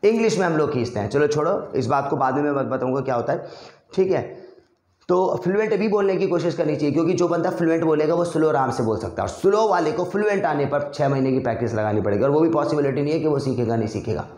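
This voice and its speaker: A man's voice: fairly high pitch, animated, fast, a little mellow. A man teaching spoken English in casual Hindi, repeating drill phrases again and again and calling his viewers brother. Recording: echoey room.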